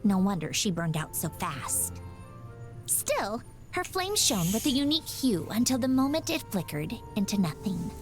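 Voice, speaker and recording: A woman's voice: medium pitch, big pitch swings, moderate pace, natural voice. An actress voicing a proud, ladylike young machine doll in a video game, with a prim, precisely worded delivery. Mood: composed, aloof. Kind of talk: scripted video game character voice lines. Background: music.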